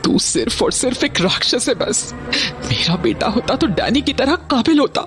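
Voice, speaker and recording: A woman's voice: a little high, big pitch swings, moderate pace, over music. An actress playing a bitter mother who harshly orders her son out of the house, in an audio drama. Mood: furious. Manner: harsh, scolding.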